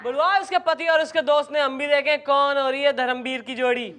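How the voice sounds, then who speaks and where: A brash, bossy police station chief with a strong Haryanvi accent. She talks loud and blunt, throwing English words into rustic slang. Her voice sits fairly high. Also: steady tone, fairly quick, faint music behind. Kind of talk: sitcom acting.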